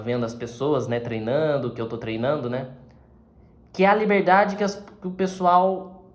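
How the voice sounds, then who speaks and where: Brazilian male actor-teacher, relaxed explainer, keeps checking in with tag questions. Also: sits high. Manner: conversational, often ends phrases with tag questions. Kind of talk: casual explanatory lesson.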